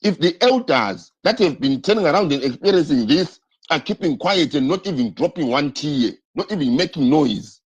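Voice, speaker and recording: A man hosting a political live stream, his husky voice riding fairly high and swinging widely in pitch. He talks with urgent passion, circles back over his points and throws out rhetorical questions. The sound is dull and lo-fi. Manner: impassioned, repetitive, rhetorical questions.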